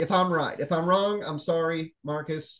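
In a Southern US accent, a man talks at a moderate pace with ordinary pitch variation against a quiet background. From US South. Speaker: news-parody show co-host. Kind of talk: casual chat. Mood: joking, sardonic. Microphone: video call.

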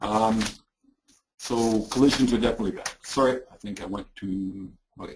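Over noticeable background noise, a man speaks at a moderate pace with big swings in loudness and long, frequent pauses. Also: fairly even intonation. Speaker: crane company training and assessment manager. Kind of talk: webinar presentation. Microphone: video call.

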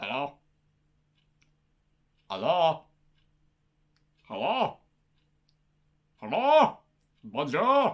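A man adopts a put-on character voice with very wide pitch swings. He goes at a very slow pace, with long, frequent pauses. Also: fairly high pitch for a man. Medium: role play. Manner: menacing.

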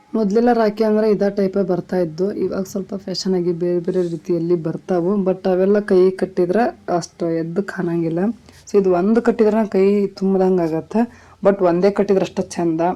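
This woman's voice has a dark, mellow tone and a medium pitch. Her intonation is monotone and flat. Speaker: family vlogger. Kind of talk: casual vlog narration. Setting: travelling on bus and around town.

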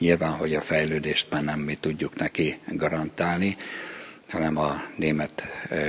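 A man talks very slowly in a very deep, low voice with a flat, monotone delivery. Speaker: table tennis club leader. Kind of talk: interview. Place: hall. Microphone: handheld.

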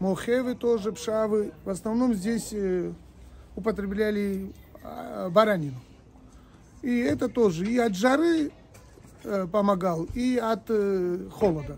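A man with a high pitch speaks at a very slow pace, leaving long, frequent pauses, with ordinary pitch variation and light background noise. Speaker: pastor and guide; pastor, guide. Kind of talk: casual chat, travel guide explanation. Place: market. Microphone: phone near.

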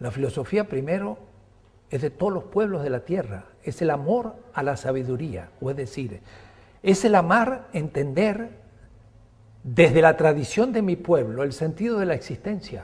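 A man speaks at a fairly high pitch with very wide pitch swings. His pace is fairly slow, and vocal fry is present. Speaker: philosopher. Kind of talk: interview.

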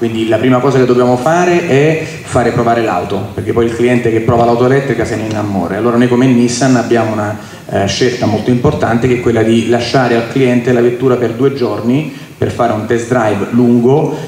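Talking at a fairly quick pace, a man is heard with light background noise and audible room echo. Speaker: guest. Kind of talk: interview answer. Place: shop. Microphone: handheld.

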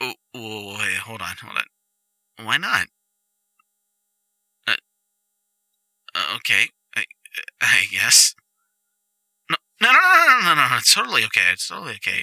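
A man puts on a character voice, fairly low in pitch with big pitch swings and a bright, sharp tone. He moves at a fairly slow pace with long, frequent pauses, the sound dry and close with no echo.

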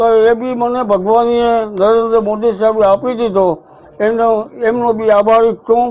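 His pitch is extremely high for a man. The delivery is monotone, with flat intonation. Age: 80s+. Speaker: folk dholak player. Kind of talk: interview. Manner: halting.

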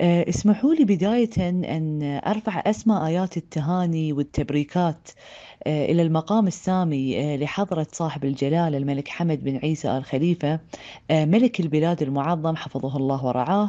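This woman's voice is very deep and low-pitched, with a dark, mellow tone. She talks at a moderate pace with ordinary pitch variation against a quiet background. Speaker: guest. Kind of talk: formal phone interview statement. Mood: formal, congratulatory. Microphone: phone line.

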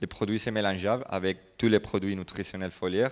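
A man with a Spanish accent at a fairly low pitch and fairly even intonation, against a quiet background. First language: Spanish (speaking French). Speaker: agronomy company representative; presenter. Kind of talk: technical presentation. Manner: mixing French and Spanish. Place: hall. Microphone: handheld.

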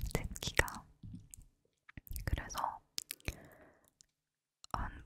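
The speaker is a woman. She whispers very slowly. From Korea. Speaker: ASMR creator. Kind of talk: ASMR whispering about daily routine and audiobooks. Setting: ASMR microphone with nail tapping sounds. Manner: whispered, soft-spoken. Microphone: studio mic.

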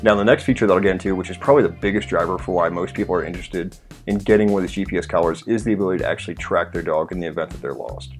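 A very deep, low-pitched man talking very fast with hardly any pauses, faint music in the background. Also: ordinary pitch variation. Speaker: product reviewer. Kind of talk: product review talk. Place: home room.

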